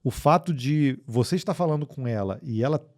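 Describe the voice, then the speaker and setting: A man with a Brazilian Portuguese accent co-hosting a tech news show, reading viewer comments and chatting in a relaxed, rambling way. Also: mid-range voice, fairly quick. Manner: relaxed and chatty, with frequent fillers and restarts. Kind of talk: casual chat, reading viewer comments aloud.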